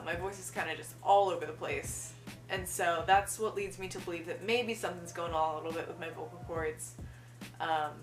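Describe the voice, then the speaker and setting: A man's voice: high voice, sharp tone. A young trans man vlogging casually to camera, chatty and candid, with many ums and little laughs. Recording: echoey room with faint music.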